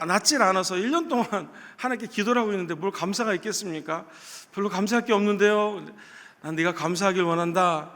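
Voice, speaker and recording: Man preacher, high bright tone, storytelling sermon with loud swells, church hall echo. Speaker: pastor. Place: church sanctuary.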